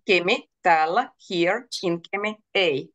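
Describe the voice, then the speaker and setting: A woman's voice: lowish voice, a bit bright, no echo, highs cut off. A woman teaching a beginner Finnish class over a video call, patiently switching between Finnish and English and laughing often. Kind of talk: online language lesson.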